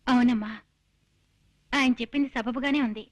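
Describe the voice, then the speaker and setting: A woman's voice: on the high side, steady tone, normal speed, muffled recording, heavy background noise, lightly acted. A woman playing a dutiful young daughter who speaks earnestly and firmly, in film drama acting. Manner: earnest, firm.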